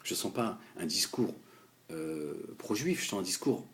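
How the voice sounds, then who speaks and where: Deep-voiced man in a heated monologue. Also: slight background noise. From France. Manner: animated, halting, repeats words, addresses the politician directly. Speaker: political commentator.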